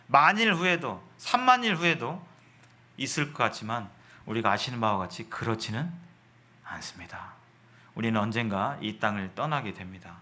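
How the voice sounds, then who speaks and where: Bright-voiced man preaching a sermon. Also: medium pitch. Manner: explanatory, asks the listeners rhetorical questions. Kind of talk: sermon to a congregation.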